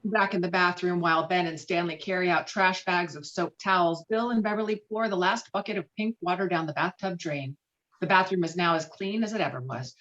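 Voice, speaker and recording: Low-voiced woman reading stage directions. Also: fairly quick, fairly bright tone. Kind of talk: scripted narration at a table read. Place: remote virtual table read on a call. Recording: dull lo-fi video call audio.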